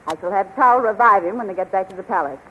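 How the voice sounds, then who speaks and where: A woman's voice: medium pitch, fast, lightly acted. A muffled, noisy 1930s radio recording of a woman playing a scheming witch queen. She commands grandly, then coos seductively, in theatrical serial style. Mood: commanding.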